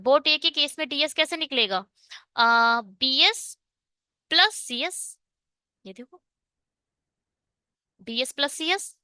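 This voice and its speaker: A woman's voice: high voice, bright, forceful tone, no room sound, clean studio sound. A woman teaching an online exam-prep math lesson, working through a problem step by step and asking and answering her own questions.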